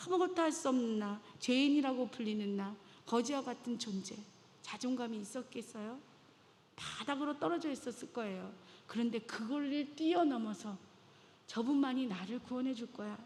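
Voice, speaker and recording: A woman's voice: high voice, darkish tone. A woman preaching a sermon in a church, telling a Bible story dramatically and acting out the voices in it. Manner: dramatic, acts out biblical voices. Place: church sanctuary. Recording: long reverb of a church hall.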